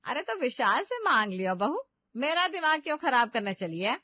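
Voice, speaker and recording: This is a stingy, scolding mother-in-law from an animated family story, voiced by a woman. She talks loud and bossy, cutting others short. The sound is dry and a little dull. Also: medium pitch, moderate pace, no room sound, lightly acted. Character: sharp-tongued stingy older mother-in-law.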